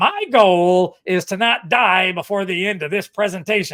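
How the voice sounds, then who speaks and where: A loud, booming put-on character voice at middle pitch moves along at a moderate pace. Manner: joking.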